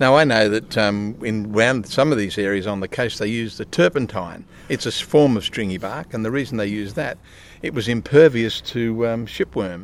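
A man with an Australian accent at a medium pitch, a moderate pace and ordinary pitch variation. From Sydney, Australia. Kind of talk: casual interview. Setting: outdoors by a river.

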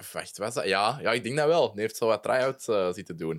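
Someone talks at a fairly slow pace with a Flemish accent in a very clean recording with a silent background. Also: man. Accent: Flemish Dutch. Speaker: podcast host. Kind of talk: casual chat and script reading.

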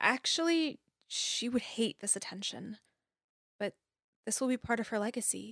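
A woman's put-on character voice, fairly high-pitched with a fairly bright tone and vocal fry, in a dry, close sound with no echo on a very clean recording with a silent background. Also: lively intonation, moderate pace.

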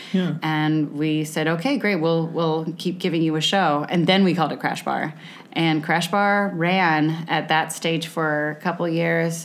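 Speaking with an American accent, a woman uses a monotone, flat intonation at a fairly low pitch. Audible room echo surrounds her voice. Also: fairly slow pace, hardly any pauses. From Northern California. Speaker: improv comedian and actress. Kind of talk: casual chat. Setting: video call.

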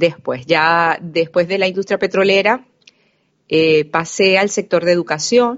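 A woman at a medium pitch, fairly slow pace and ordinary pitch variation. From Venezuela, Zulia (Maracaibo). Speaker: corporate coaching program manager. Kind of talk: interview.

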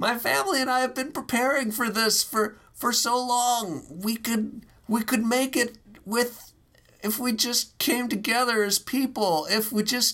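A put-on character voice, whiny and fairly high in pitch, runs at a moderate pace. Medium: actual play. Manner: blustering, whiny.

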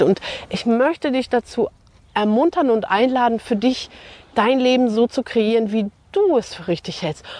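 A woman with a slight non-native accent speaks at a moderate pace and a fairly high pitch, taking long, frequent pauses. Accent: slightly non-native German. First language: not German, multilingual (speaking German). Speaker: podcast host, EFT coach. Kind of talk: motivational podcast monologue. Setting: outdoors at the beach. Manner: casual, with fillers.

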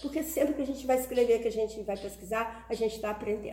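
A woman's dark, mellow tone with audible room echo. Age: 70s. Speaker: linguistics professor. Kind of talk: interview monologue. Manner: halting.

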